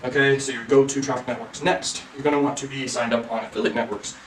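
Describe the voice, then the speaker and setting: A man giving a casual, energetic online marketing tutorial, salesy and loose, often saying freaking. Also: mid-range voice, quick pace. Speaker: online course creator. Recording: echoey room, mic at a distance, faint ambient noise.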